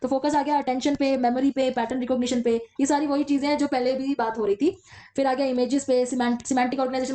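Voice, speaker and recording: A woman teaching an exam-prep lecture, explaining step by step and slowly reading out English textbook lines between her own explanations. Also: high voice, warm tone.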